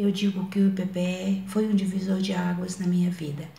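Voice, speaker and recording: A woman talks at a moderate pace in a medium-pitched voice. Audible room echo and noticeable background noise fill the recording. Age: 70s. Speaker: retired sales promoter, course participant. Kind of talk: testimony.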